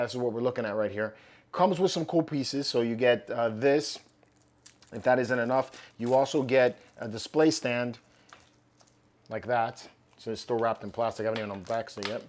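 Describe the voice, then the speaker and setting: A man hosting a collectibles channel, chatting casually through an unboxing while his voice is going hoarse. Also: mid-range voice. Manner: upbeat, loose and chatty with fillers. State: losing his voice, slightly hoarse.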